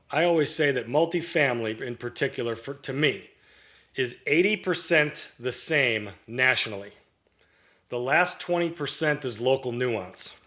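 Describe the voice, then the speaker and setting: A man talking casually as a guest on a podcast, a real estate broker. He rambles through his answers, starting sentences over and winding through anecdotes. His voice sits at an ordinary middle pitch. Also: fairly bright tone. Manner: long-winded, storytelling, with many restarts.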